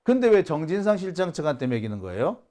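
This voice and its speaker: A middle-aged man delivers heated political commentary in a casual, talkative way. His voice sits a little high for a man and swings widely in pitch as he acts out the people he quotes. He keeps firing off rhetorical questions in an indignant tone. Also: big pitch swings, fast talker, warm tone. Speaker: journalist host of a political channel.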